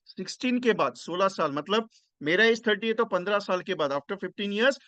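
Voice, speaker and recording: A man's voice: high voice, a bit bright, no room sound. A man teaches insurance agents in an online session. He mixes into his explanations, repeats key phrases and quizzes his listeners on the numbers. The sound is dry and close. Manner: works through numbers step by step, asking the audience questions. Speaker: insurance sales trainer.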